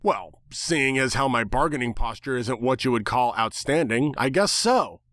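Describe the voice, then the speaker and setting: A man voicing a brash, self-mocking hero in a fantasy story, excitable and wisecracking. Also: mid-range voice, normal speed, dry recording, clean studio sound, close to an everyday voice. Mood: cheeky.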